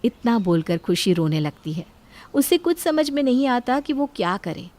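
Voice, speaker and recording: A woman narrating a scripted moral story in an even storytelling manner. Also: fairly high pitch, normal speed.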